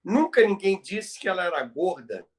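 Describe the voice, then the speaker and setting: A Brazilian man co-hosting a podcast, telling stories about radio history in a halting way that repeats words. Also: high voice, sing-song. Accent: Brazilian Portuguese. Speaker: podcast co-host.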